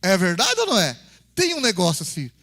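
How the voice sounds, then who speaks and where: Lively high-voiced Brazilian pastor. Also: male voice, brisk. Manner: folksy, acts out family dialogues; addresses the congregation as brother. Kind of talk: conversational sermon.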